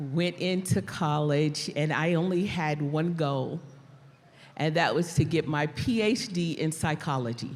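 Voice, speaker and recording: A woman speaks at a very slow pace with a very deep, low pitch. Room echo is audible. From California. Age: 60s. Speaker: graduating student. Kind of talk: commencement speech. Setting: stage with audience.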